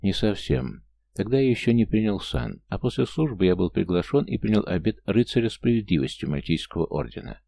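A man's voice: on the low side, expressive, brisk, vocal fry, dry recording. A man voicing a polite, mild-mannered Englishman who belongs to an old knightly order, in an audiobook. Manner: polite and gentle.

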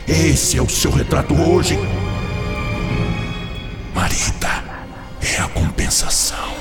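A man playing a gravelly tempting vampire spirit. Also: medium pitch, lively intonation, slow pace. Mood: insistent. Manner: persuasive, insinuating, swings between whispers and rising urgency. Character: seductive male vampire spirit, cunning tempter. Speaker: voice actor in radio drama. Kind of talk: radio drama acting. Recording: radio drama with music bed.

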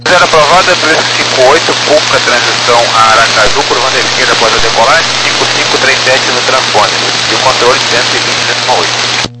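A man with a Brazilian accent, an airline pilot reading back clearances over a cockpit headset radio in brisk, clipped phrases. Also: medium pitch. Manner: brisk clipped readbacks of numbers. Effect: cockpit headset radio transmission. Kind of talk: pilot radio readback to air traffic control. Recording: noisy aviation radio.

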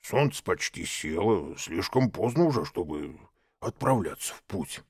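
A man voicing a slow, easygoing male bear in an audiobook, mumbling hesitantly with drawn-out fillers. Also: sits low, sing-song, darkish tone, no echo, studio quality, heavily acted. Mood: mumbling, placid. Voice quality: gravelly, husky. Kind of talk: audiobook character voice.

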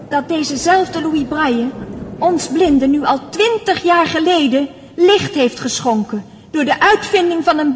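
An actress playing an earnest, grateful blind young musician, giving a formal, measured speech in a radio play. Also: female voice, sits high. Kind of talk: Dutch radio drama acting, addressing a concert audience. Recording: reverberant hall, faint crowd and noise.

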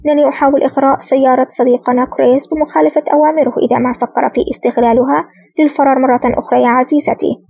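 A woman's voice: high-pitched, steady tone, rapid-fire, creaky, warm tone, husky, dry recording, heavily acted. A woman reading the lines of an ironic male intelligence officer in an audiobook, close to her own voice. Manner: dry and ironic. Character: cool, sarcastic male intelligence agent. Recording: dull lo-fi dry recording.

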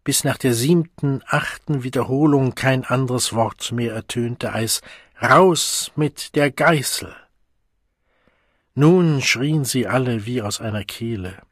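A man narrating an audiobook in a measured, dramatic way, recorded close on a studio mic. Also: mid-range voice, breathy edge, no room sound.

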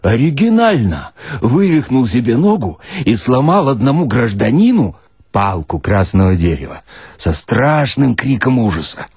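A man giving a theatrical, expressive first-person reading of satirical short stories, with deliberate pauses and a husky voice. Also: medium pitch, no echo, studio quality. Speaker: narrator, reader of literary stories.

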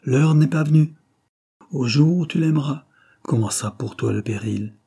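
A man's voice: a little high, moderate pace, vocal fry, dark tone, slightly rough, voice pushed up. A man voicing an old gypsy seer in an audiobook, making solemn prophecies. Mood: ominous. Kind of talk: audiobook character reading.

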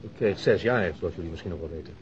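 In a Dutch radio drama, an actor lightly plays a nervous, low-voiced, humbled male ex-convict turned provincial reporter, confessional in mood and speaking hesitantly and apologetically with halting starts. The recording is dull, noisy and lo-fi.

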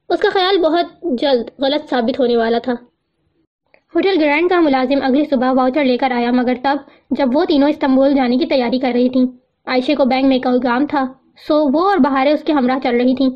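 A woman narrating a novel aloud with steady, even storytelling delivery. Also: sits high. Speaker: audiobook narrator. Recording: muffled lo-fi recording.

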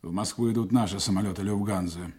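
Dark-voiced, husky, cold spymaster. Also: male voice, deep voice, fairly even intonation, quick pace. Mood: cold, businesslike. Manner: terse, clipped questions, unsentimental. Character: Fred, cold, commanding spymaster questioning his agent. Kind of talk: audio drama acting.

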